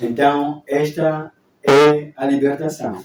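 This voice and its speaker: Dark and mellow in tone, a man's voice sits fairly high in pitch. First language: Shona (speaking Portuguese). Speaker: pastor. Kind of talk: panel discussion on TV.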